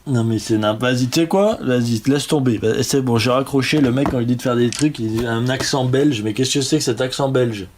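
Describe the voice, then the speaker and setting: A man giving excitable, mock-dramatic commentary on a game livestream. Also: medium pitch, fairly quick, few pauses, slight background noise.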